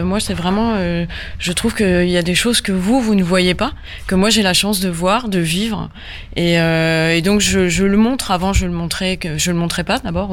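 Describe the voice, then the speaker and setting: A woman from Normandy answers questions as a guest on a radio interview. She talks in a halting way, full of fillers and restarts, as she feels her way through each thought. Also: on the low side. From Normandy, France. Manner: hesitant, many fillers and restarts. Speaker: guest photographer.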